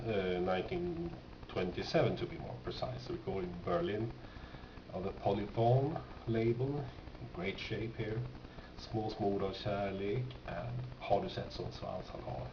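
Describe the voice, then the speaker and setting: In a noisy, echoey room recording with a dull sound, a record collector talks through items from his collection. He is a man with a lowish voice and a Swedish accent, Swedish being his native language. His unscripted show-and-tell is relaxed but halting, with frequent pauses partway through sentences.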